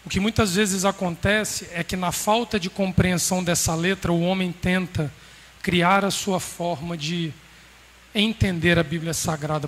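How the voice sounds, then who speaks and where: A man preaching a sermon to a congregation in a measured, emphatic way with pauses. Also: sits high, a bit bright. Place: congregation hall. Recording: roomy hall reverb, faint background noise.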